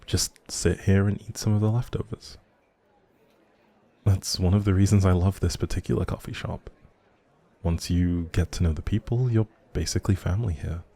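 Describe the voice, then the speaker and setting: A shy, socially anxious young man, acted by a male performer in an intimate audio roleplay. His voice sits very low and mellow, with plenty of gravelly fry. He rambles in a friendly, hesitant way, quick to apologize. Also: steady tone.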